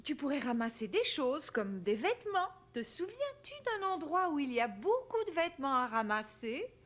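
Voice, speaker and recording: High, lively cartoon mom. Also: female voice, moderate pace. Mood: encouraging. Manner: gentle, coaxing. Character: kind, encouraging young mother of a small boy. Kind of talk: children's cartoon dubbing.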